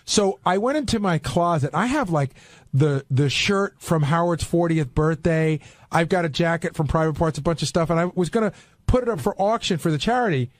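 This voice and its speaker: A man with a fairly high voice talks on a radio panel in an unscripted, conversational way. He speaks emphatically, as someone who works on the show. The sound is very dry and close. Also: brisk, dry recording. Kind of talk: casual unscripted panel chat.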